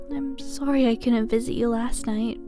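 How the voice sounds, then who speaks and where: A woman playing a possessive, lovesick asylum inmate in an ASMR roleplay, cooing endearments with breathy sighs and a sweetly menacing edge. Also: a little high, natural voice. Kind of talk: ASMR roleplay, intimate scripted monologue.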